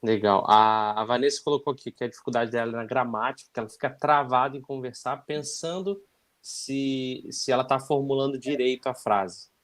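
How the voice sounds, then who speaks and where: A man's voice: medium pitch, normal speed. A man co-hosting a live stream, briefly and plainly relaying viewer comments. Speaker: co-host reading viewer questions.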